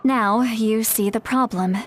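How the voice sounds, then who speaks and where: A woman's voice: a little high, slow. An actress voicing a candid, self-deprecating female tribal elder and living legend in a video game, speaking conversationally. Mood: grave, explanatory. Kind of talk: video game character acting. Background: game background music.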